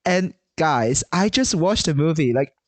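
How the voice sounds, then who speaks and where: A man co-hosting a podcast in casual chat, animated and restarting often. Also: on the high side, a little slow, no room sound. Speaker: podcast co-host.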